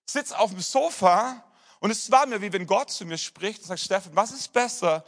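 A middle-aged male pastor preaching a sermon, telling personal stories and dropping to soft emphasis. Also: high-pitched, animated, moderate pace.

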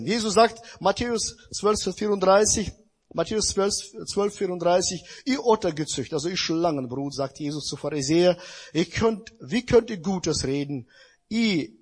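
Husky high-voiced male preacher. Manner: emphatic, addresses the congregation directly. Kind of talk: sermon.

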